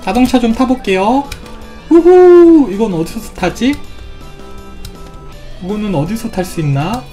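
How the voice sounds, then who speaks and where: A woman with a medium-pitched, mellow voice gives animated, playful commentary at a normal speed while playing a game, over soft background music. She's a gaming YouTuber doing let's play commentary, full of exclamations and silly sound effects.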